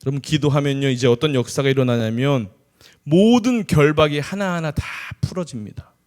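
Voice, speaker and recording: Man preaching a lively sermon. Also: on the high side, fairly quick. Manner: conversational preaching with humorous asides. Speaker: associate pastor.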